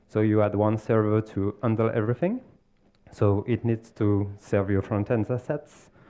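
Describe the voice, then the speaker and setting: In a French accent, a man speaks at a moderate pace with a fairly low pitch and very even loudness. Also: fairly even intonation. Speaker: software developer, conference speaker. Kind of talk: conference talk.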